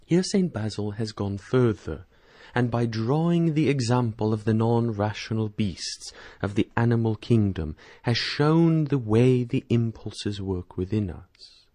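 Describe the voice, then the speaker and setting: Male priest, sermon commentary, measured and earnest, mellow timbre, dry studio sound. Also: fairly low pitch, dry recording. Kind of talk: spoken homily commentary, reading patristic text.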